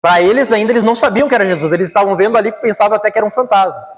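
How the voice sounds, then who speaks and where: A man with a Brazilian Portuguese accent preaching a sermon, dropping to slow, hushed lines and then climbing high and urgent. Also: long reverb tail.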